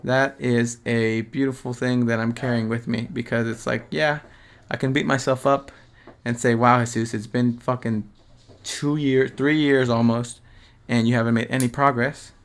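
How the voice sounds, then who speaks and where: A twenty-year-old man hosts his own podcast and talks alone in a casual, reflective monologue. His voice is medium-pitched and steady, at a moderate pace. He rambles, uses slang, swears often and keeps restarting his sentences.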